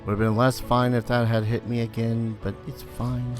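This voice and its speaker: His delivery is flat, at medium pitch and normal speed. He hosts a let's play with video game music in the background, commenting casually, muttering asides with a bit of mild swearing and now and then reading game text out loud.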